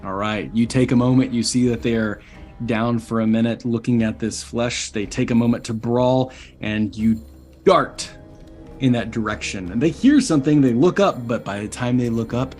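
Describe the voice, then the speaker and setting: Low-voiced man running a tabletop game. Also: fairly even intonation, normal speed, a little mellow, soft background music. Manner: descriptive, calls for dice checks. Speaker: game master.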